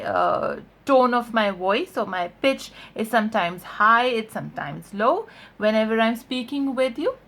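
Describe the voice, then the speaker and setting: A woman's voice: on the high side, fairly bright tone. A woman who is a non-native English speaker teaches an explanatory video lesson as a coach, stressing and stretching key words and often checking in with short tags. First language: not English. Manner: emphatic, drawn-out key words, frequent check-in tags like "right?". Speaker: online voice and accent coach.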